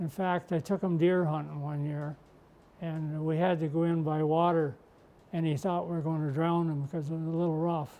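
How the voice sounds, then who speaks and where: In an Ontario accent, a man speaks at a moderate pace with a fairly high pitch, a dark, mellow tone and a monotone, flat intonation. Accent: Canadian (Ontario). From Canada, Peterborough Ontario. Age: 80s+. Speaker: retired competitive shooter. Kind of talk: interview.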